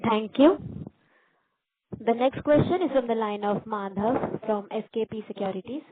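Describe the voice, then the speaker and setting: A woman's voice: on the high side, normal speed, husky. A woman working as a conference call operator, announcing callers in scripted phrases. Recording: noisy narrow phone line.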